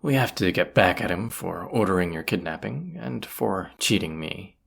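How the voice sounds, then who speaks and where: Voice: sits low, lively intonation, normal speed, vocal fry, breathy edge, heavily acted. A performer playing a roguish bandit leader in a fantasy audio roleplay, grumbling yet confident, with folksy, sardonic muttering to the listener. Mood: determined, scheming.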